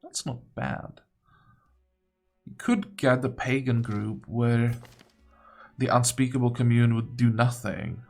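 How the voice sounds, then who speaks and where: A man's voice: mid-range voice, takes it slowly, creaky, long pauses, darkish tone. A man giving unscripted game commentary, thinking aloud in a musing, hesitant way as if talking to himself. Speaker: gaming video host.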